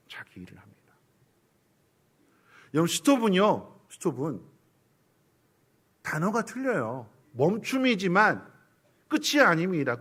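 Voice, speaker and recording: A man's voice: a little high, a bit bright, breathy edge. A man preaching a Sunday sermon as a church pastor in South Korea, acting out quoted voices and sometimes dropping to a whisper. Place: church sanctuary.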